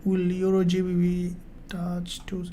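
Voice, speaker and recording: A woman hosting a casual live stream as a mentor, answering viewer questions in halting, repetitive phrasing. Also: fairly low pitch, monotone, warm tone.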